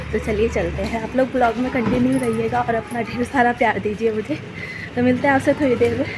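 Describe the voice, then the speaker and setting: With noticeable background noise present, a woman talks at a moderate pace. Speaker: family vlogger. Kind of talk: casual vlog talk to camera. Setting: at home, parents' house; walking outdoors. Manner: casual, halting with repetitions.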